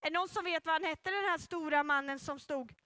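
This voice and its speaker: Brief: lively woman leading a children's Bible story with volunteers, high-pitched, dry close sound. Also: no echo. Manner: playful, animated, involves child volunteers. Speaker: children's church leader.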